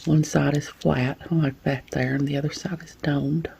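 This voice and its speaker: A woman, hoarse from a cold, showing and describing beads in a casual unboxing vlog. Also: sits low, steady tone, unhurried, slight background noise. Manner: soft-spoken, drops to whispers at times. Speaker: bead unboxing vlogger. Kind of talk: casual show-and-tell unboxing.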